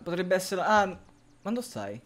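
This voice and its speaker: Commenting casually on a survival game, this man swears heavily, laughs often, and yells at the zombies on screen. His high voice is very animated, though his pace is a little slow.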